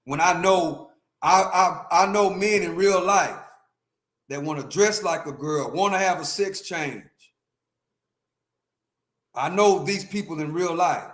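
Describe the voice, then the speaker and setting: With a fairly bright voice that sits high, this livestream host in his fifties talks a little slowly and pauses often, and the room sounds roomy. His opinionated rant is emphatic and repetitive, and he keeps turning to address his chat.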